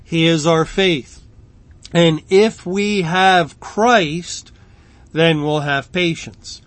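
A middle-aged man teaching through Bible verses in an unhurried, halting way, often restarting words and pausing with fillers. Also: a little high, a bit bright, dry recording. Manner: slow, halting delivery with frequent restarts and fillers.

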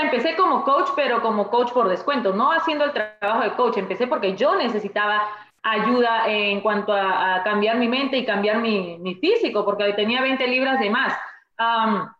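A woman's voice: on the high side, moderate pace. Cheerful Peruvian woman on a dull, roomy line. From Peru. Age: older. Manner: cheerful, warm, joking. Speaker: guest coach. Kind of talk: interview answers.

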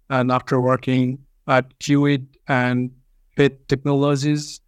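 Guest from Nepal, even-toned and smooth, dry close mic; formal, measured delivery. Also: male voice, medium pitch, no echo. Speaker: engineering firm president, guest. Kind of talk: interview answers.

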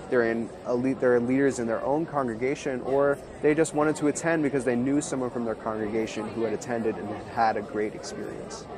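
A man's voice: medium pitch, background noise. A man narrating a scripted report about a faith-based justice conference. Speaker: video host and interviewer.

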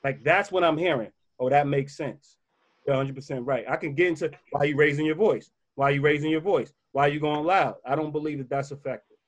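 A man with a slightly bassy voice talks through relationship advice in a loose, conversational way. He leans on his points and comes back to them again and again. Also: fast talker. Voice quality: a little bassy voice. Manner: emphatic, repeats key points. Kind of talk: casual advice talk.

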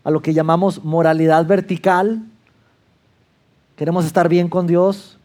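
A man's voice: fairly high pitch, little pitch movement, measured pace, darkish tone. A man in his fifties with a Mexican accent, preaching a sermon in a conversational way and acting out the prayers and voices he quotes. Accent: Mexican Spanish. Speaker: pastor.

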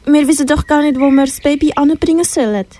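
A cautious young unicorn in a student radio play, played by a teenage girl, wary and doubtful. The voice is high, with a faint hiss behind it. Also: fast talker, mellow, lightly acted. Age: teens.

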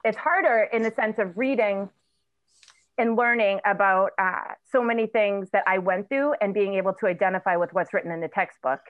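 A woman's voice: mid-range voice, no room sound. Woman over a tinny phone-like line. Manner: candid, halting, many fillers and restarts. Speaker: guest. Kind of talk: emotional personal storytelling in an interview.

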